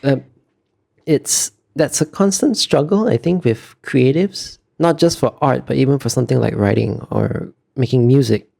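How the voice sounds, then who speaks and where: A man's voice: medium pitch, moderate pace, gravelly, dark tone. A man giving casual, thoughtful interview answers as an artist, often hesitating as he searches for the right words.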